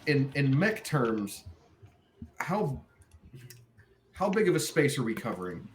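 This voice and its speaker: A man's voice: medium pitch, very animated, slow, a little hiss or hum. A man playing a tabletop game, asking the game master careful, hesitant rules questions. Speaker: player.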